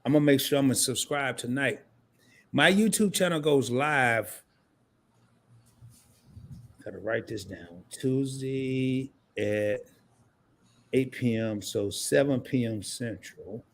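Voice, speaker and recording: A man's voice: mid-range voice, slow, pauses often. A man co-hosting a casual live stream, joking around, laughing often and reading viewer comments aloud. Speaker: co-host of a credit live stream.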